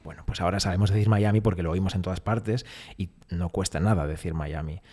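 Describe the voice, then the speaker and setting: Spanish man from Spain, lowish mellow voice, podcast co-host, explains and teases. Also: fast. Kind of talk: casual chat. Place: small home studio with some echo.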